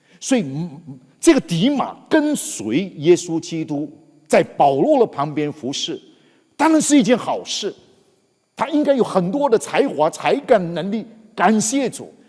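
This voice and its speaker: A man's high voice with very wide pitch swings, a fairly slow pace and long, frequent pauses. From Malaysia, Sarawak. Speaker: pastor. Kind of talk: sermon. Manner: animated.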